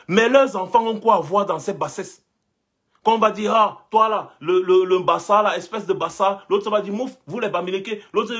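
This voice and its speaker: A young Cameroonian commentator delivers an impassioned monologue, hammering his points repeatedly with rhetorical questions. His voice is high, husky at the edges and fairly bright.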